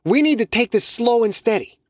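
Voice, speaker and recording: A man's voice: very high voice, expressive, fairly quick, no room sound, clean studio sound, pitched above the performer's own voice. A narrator doing an insistent, rattled young man. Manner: insistent, frustrated, swears. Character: tense, rational young man student.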